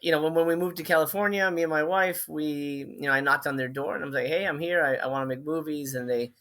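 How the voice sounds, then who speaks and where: A man's voice: on the high side, fairly even intonation, quick pace, a bit bright. A middle-aged man from Miami, a film director talking casually as an interview guest, chatty and full of fillers and restarts. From Miami, Florida.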